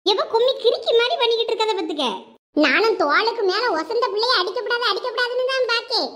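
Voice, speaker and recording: A woman's voice: lively intonation, quick pace, pushed and bright, slight background noise, full character voice. A woman playing a furious, strict village mother who scolds. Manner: scolding, shrill threats.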